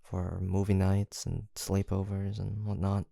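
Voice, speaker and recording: A man acts out a college-aged best friend in an intimate audio roleplay. His low voice is mellow and gravelly at the edges, with a casual, teasing delivery that stays fond and playful. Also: monotone, unhurried, no room sound, clean studio sound. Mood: tender, nostalgic. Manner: casual, playful, murmured hesitations and soft laughs.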